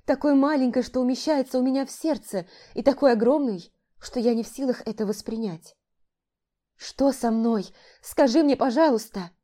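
A woman's voice: a little high, animated, a little slow, mellow, voice pushed up. A woman voicing a young fantasy heroine who pleads emotionally in a raised, strained voice. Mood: pleading. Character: young heroine, frightened and indignant. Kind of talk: audiobook character voicing.

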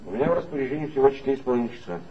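An actor playing a curt, impatient investigator in a 1960s radio play, asking short, clipped questions. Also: male voice, medium pitch, expressive, rapid-fire, lightly acted. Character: curt, impatient male investigator pressed for time. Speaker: interrogator. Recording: dull old 1960s radio recording with faint hiss.

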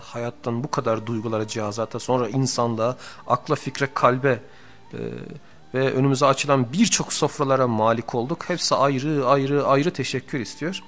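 A middle-aged man giving a religious lecture on the radio, explaining points in a measured way and stacking up lists and repetitions for emphasis. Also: mid-range voice, a bit bright. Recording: radio archive with faint music.

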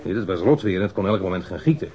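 Defensive low-voiced street robber, lo-fi. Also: male voice, expressive, dark tone. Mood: earnest, insistent. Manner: slangy, halting, protesting. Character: defensive street robber, rough-mouthed male suspect under questioning. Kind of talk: radio crime drama acting. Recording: dull lo-fi radio drama recording.

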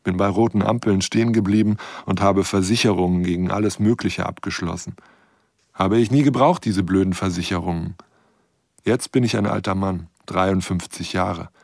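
A man's voice: low-pitched, steady tone, normal speed, vocal fry, darkish tone, dry recording, studio quality. An actor playing an anxious, overcautious lonely man in his fifties, giving a rueful, reflective monologue in a radio drama. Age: 50s.

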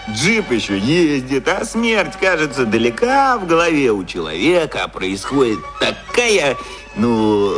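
An actor playing a brash, cynical advertising man in a radio play, explaining things in slangy, colloquial bursts with halting pauses. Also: medium pitch, close to an everyday voice. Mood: relishing, expansive. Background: music.

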